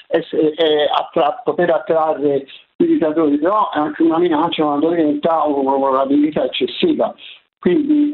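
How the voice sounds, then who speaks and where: A man with a Tuscan accent, calling a radio show over the phone, talking in halting bits with many restarts. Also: a little high. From Tuscany, Italy. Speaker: caller. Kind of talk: call-in radio chat. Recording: tinny phone line.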